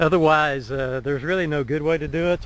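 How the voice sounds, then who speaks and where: Noticeable background noise sits under a man's fairly high-pitched voice. He talks at a fairly quick pace with fairly even intonation. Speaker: home gardener vlogger. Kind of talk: tutorial. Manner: loud.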